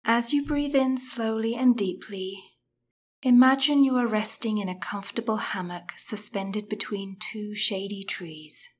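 Slow, soft-spoken woman guiding meditation. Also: medium pitch. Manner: soft, slow and soothing, often whispered. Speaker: meditation guide. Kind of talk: guided breathing meditation.

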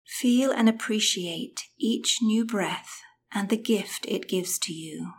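Slow, soft-spoken woman guiding meditation. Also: mid-range voice. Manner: soft, slow and soothing, often whispered. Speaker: meditation guide. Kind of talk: guided breathing meditation.

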